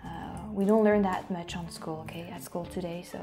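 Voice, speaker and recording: A woman's voice: on the low side, steady tone, measured pace, creaky, dark tone, faint music behind. A young woman with a French accent, a YouTuber chatting casually to camera from a small room, often restarting and dropping into whispers. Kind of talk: casual vlog chat.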